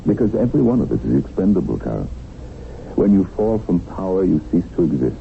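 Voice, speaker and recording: An actor playing a middle-aged kidnapped tycoon in a radio drama, worldly and defiant, with a sardonic, reflective manner. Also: male voice, sits low, big pitch swings, brisk, gravelly, exaggerated voice. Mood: resigned, candid. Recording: narrow-band, noisy old radio broadcast.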